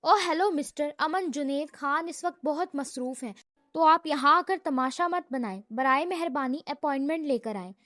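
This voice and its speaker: A woman performs a feisty young office assistant who never backs down. Her retorts are sharp and sassy, and her voice sits high. The sound is close and dry. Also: no room sound. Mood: sassy defiant.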